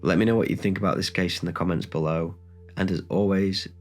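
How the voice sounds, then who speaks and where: A man with a bad cold, reading a scripted documentary narration in a measured, even way as the channel's host. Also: low voice, faint music behind.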